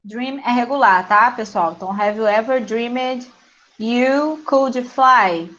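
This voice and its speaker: Woman teacher, bright-ish voice, easygoing class chatter over a muffled call. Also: fairly high pitch, takes it slowly. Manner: chatty, encouraging, laughs easily. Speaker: English teacher. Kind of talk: online class, casual teaching.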